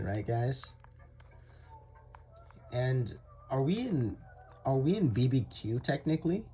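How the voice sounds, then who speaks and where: A man's voice: mid-range voice, darkish tone, slight background noise. A young man giving casual, chatty commentary over his own gameplay, often laughing and talking to viewers as "guys". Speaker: gaming YouTuber. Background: faint game music.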